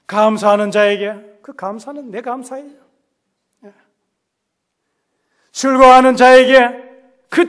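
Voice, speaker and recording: Korean-style church sermon from a male pastor, really high voice, goes from loud and emphatic to hushed. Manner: emphatic, swinging from loud exclamations to hushed asides; repeats key phrases and puts questions to the congregation. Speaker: pastor preaching. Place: church service.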